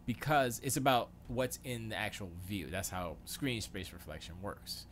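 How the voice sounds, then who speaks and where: A man's voice: lowish voice, expressive, normal speed, fairly bright tone, slight background noise. A man from Florida hosting a casual livestream, thinking aloud as he tinkers in his home studio, muttering questions to himself and trailing off mid-sentence. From Florida, USA. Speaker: livestream host.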